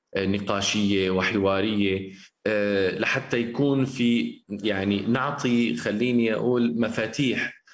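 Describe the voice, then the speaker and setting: At a very slow pace, a man speaks with medium pitch, fairly even intonation and very even loudness, with audible room echo around him. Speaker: NGO executive director. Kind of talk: radio interview.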